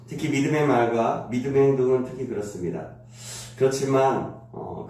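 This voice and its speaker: A male pastor giving a dawn prayer sermon in a measured way, often pausing with "uh" and clearing his throat, his voice congested and weak from a stuffy nose. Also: medium pitch, dark tone. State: nasal congestion, voice not coming out well. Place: church sanctuary. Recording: very echoey room, distant mic.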